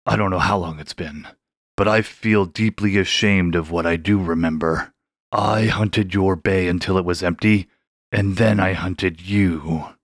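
A vast, ancient king of the sharks, as a man puts him on for a storybook, with a deep growling voice. He speaks slowly and solemnly with grand formality. The sound is close and dry. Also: no room sound. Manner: slow, solemn, stately speech. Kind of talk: storybook character voice.

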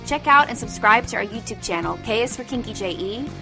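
A woman's voice: fairly high pitch, expressive, brisk, creaky. A woman reading a scripted podcast outro as its announcer. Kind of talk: scripted narration. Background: music.

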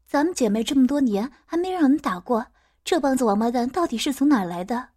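A woman's voice: sits high, expressive, fast, warm tone. A woman voicing a brash middle-aged woman who talks bluntly and coarsely, as she reads an audio story. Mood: indignant. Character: brash middle-aged woman, foul-mouthed big sister.

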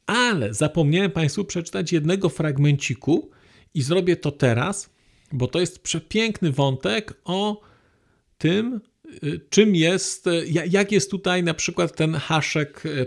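Enthusiastic man with a gravelly voice. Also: fairly high pitch. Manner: enthusiastic, with hesitant fillers. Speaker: book reviewer. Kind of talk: book talk with reading aloud.

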